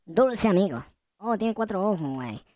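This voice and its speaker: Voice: medium pitch, big pitch swings, normal speed, a little mellow, no echo. A gaming host giving theatrical, exclamatory commentary with roleplay and plenty of slang.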